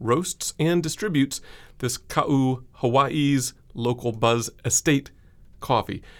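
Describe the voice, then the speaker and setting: On a very clean recording with a silent background, a man with an American accent talks at a very slow pace, medium pitch and lively intonation. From US South. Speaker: podcast co-host, online learning staff. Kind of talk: casual chat and interview. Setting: conference recording.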